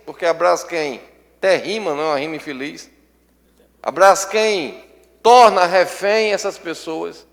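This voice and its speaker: High-voiced man speaking haltingly. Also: creaky. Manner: measured, hesitant, with many pauses. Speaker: state legislator. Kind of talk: parliamentary floor speech. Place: legislative assembly chamber. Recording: long reverb of an assembly chamber.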